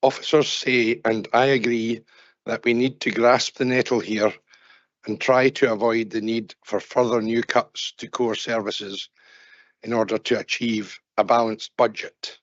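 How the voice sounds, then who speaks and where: A man's voice: medium pitch, level tone, unhurried, dry recording, dull audio. A male councillor who is losing his voice, giving a formal speech at a council meeting. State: losing his voice, throat-clearing. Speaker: elected councillor seconding a motion.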